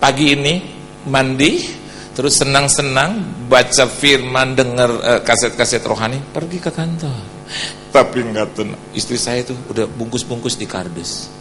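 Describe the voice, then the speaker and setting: A middle-aged man preaching, telling a story animatedly and acting out the people in it, at times shouting and near tears. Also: mid-range voice, moderate pace, faint music behind. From Indonesia. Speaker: pastor. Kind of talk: sermon with acted-out story. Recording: noisy hall reverb.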